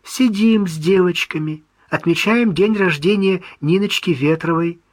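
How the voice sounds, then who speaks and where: A man's voice: a little slow, no echo. A man voicing an older woman in her sixties, a fussy, loving mother talking with her son on the phone. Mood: doting, anxious. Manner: high, lively, doting and teasing.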